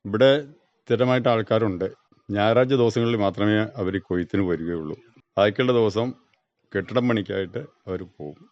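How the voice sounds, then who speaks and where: This Kerala farmer, interviewed for radio, answers briefly and plainly in a matter-of-fact way, his Kerala accent clear. His lowish voice moves a little fast, with no room sound. It comes through as a dull, dry, band-limited radio recording.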